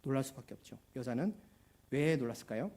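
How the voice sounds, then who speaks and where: A man's voice: mid-range voice, animated, quick pace, darkish tone. A male pastor preaching a sermon in a church, emphatic and repeating key phrases.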